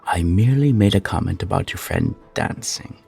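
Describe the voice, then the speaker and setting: An actor playing a sneering, scheming sorcerer in a fantasy audio drama, haughty and drawling, with a gravelly, husky voice. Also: male voice, low-pitched, wildly swooping pitch, moderate pace, a little mellow, faint music behind, heavily acted. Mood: haughty disdain.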